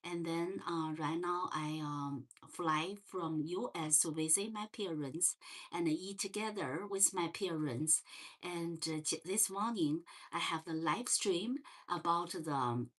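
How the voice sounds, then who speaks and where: Woman, Chinese accent, unhurried, gentle livestream host, slightly low voice. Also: low-quality recording. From China. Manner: slow and gentle, many fillers and restarts. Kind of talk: casual livestream chat. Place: parents' home.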